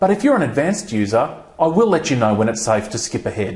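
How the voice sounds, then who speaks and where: With an Australian accent, a man talks at a fairly quick pace in very wide pitch swings, with audible room echo. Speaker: online course instructor. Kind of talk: tutorial. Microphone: lapel.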